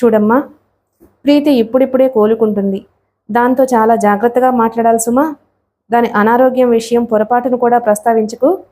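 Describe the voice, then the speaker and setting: A worried middle-aged father, protective and gentle, who reasons with calm earnestness, as a woman reads him. The voice sits a little high and sounds mellow. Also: brisk, natural voice. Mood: earnest.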